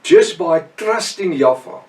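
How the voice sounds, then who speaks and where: A middle-aged man with a South African Afrikaans accent teaches scripture in an earnest, emphatic way. His phrases are short and halting, often repeated for weight. He sounds a little away from the microphone, in a very echoey room. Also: fairly high pitch, lively intonation, a little mellow, distant mic. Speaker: preacher and Bible teacher. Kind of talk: extemporaneous Bible teaching sermon.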